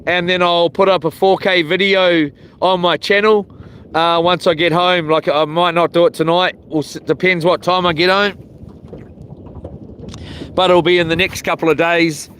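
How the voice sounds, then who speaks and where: A man's voice: sits high, little pitch movement, normal speed, fairly bright tone. A man with a broad New Zealand accent, chatting casually and rambling along as he hosts a fishing livestream from a boat. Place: outdoors on a small boat. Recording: clear outdoor boat and water noise.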